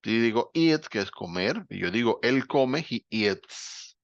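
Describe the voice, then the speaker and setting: A male teacher with a gravelly, creaky voice walks through grammar patiently, pausing to check that students follow. The sound is dull and dry, like a lo-fi online class recording. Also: mid-range voice, lively intonation, no echo. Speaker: English teacher. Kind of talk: explaining grammar in a class session.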